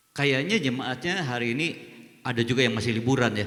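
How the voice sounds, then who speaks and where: Audible room echo accompanies fairly quick speech that shows ordinary pitch variation. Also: man. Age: 70s. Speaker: pastor. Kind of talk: sermon. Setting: church with congregation.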